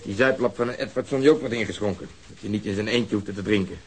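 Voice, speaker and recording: A man's voice: fairly low pitch, quick pace, close to an everyday voice. An actor playing a blunt, cynical, leering policeman who tells things with relish in a naturalistic radio drama.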